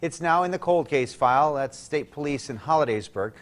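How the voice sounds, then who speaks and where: A man anchors a TV newscast with a crisp, scripted delivery. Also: a little high, lively intonation, fairly quick. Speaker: TV news anchor.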